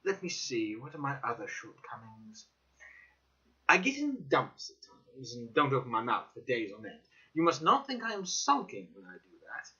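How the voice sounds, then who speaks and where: A man voicing an eager, excitable young detective-scientist in a dramatic audiobook reading, boastful and theatrical with sweeping emphasis. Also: medium pitch, moderate pace, full character voice. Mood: brisk, frank. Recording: dull, slightly lo-fi recording.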